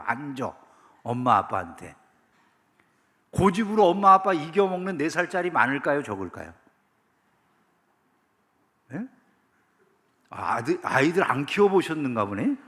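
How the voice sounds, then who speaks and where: A man's voice: a little high, a bit bright, long reverb tail. A man preaching a sermon as pastor, talking conversationally and often asking the congregation questions. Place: church sanctuary.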